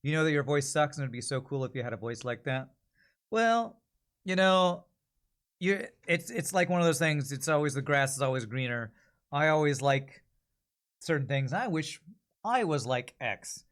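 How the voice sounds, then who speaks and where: A man with a fairly high voice hosts a livestream in a casual, conversational style. He rambles and thinks out loud, working his way through each thought as he talks. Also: expressive, normal speed. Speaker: livestream host.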